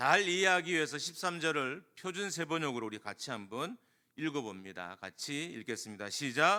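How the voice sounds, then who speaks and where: In a very clean recording with a silent background, a man talks at a moderate pace with a fairly high pitch, a bright, sharp tone, vocal fry and very wide pitch swings. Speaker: pastor. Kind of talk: sermon. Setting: church.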